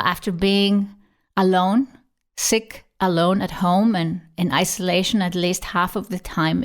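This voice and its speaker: Woman with a slightly shaky, recovering voice. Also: lowish voice. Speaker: podcast host. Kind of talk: personal storytelling monologue.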